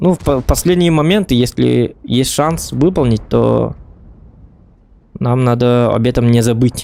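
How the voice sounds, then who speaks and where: A man with a strong Yakutian accent, medium pitch, a dark, mellow tone, ordinary pitch variation and a fairly slow pace. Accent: strong Yakut. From Yakutia, Russia. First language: Yakut (speaking Russian). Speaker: gaming streamer. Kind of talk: live gameplay stream chat. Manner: animated.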